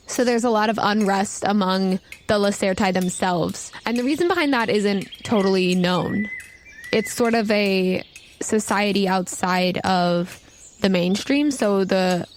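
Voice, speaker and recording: A woman's voice: medium pitch, slight background noise. A woman narrating a tabletop roleplaying game as game master, describing scenes in a conversational, improvised way.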